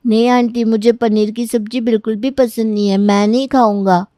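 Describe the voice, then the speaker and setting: Woman voicing stubborn six-year-old boy, whiny, insistent, high voice, storybook. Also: steady tone, normal speed, mellow, no echo, clean studio sound, close to an everyday voice. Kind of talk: storybook character acting.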